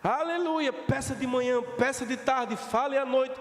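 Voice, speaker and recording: Brazilian male pastor, very high voice, fervent and jokey sermon, echoey hall. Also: normal speed. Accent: Brazilian Portuguese. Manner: fervent, joking, repeats exhortations. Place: church hall. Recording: echoey church hall, faint noise.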